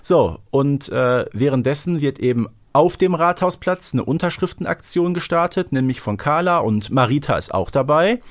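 A man's voice: fairly high pitch, animated, normal speed, few pauses. Chatty male podcast co-host. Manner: chatty, seeks agreement with tag questions. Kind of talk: casual discussion and retelling.

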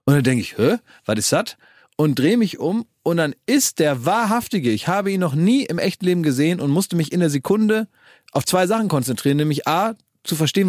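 A man's voice: fairly high pitch, darkish tone, dry recording. A man with a slightly raised voice, chatting casually and spinning rambling stories, often laughing mid-sentence. The sound is dry and close, with no room around it. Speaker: podcast co-host. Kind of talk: casual chat, anecdotes.

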